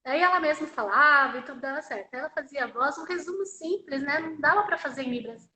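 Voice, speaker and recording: A woman's voice: sits high, fast talker, bright, forceful tone, reverberant, rough recording. A woman interpreting live, voicing a deaf signer's personal story in the first person, in a conversational way with frequent tag questions and repeated phrases.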